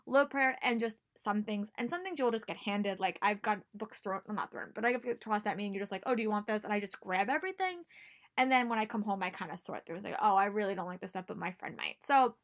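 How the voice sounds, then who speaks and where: A young American book vlogger with a mid-range, fairly bright voice gives casual, chatty advice to the camera from a small room at home. She speaks emphatically, repeating words for stress.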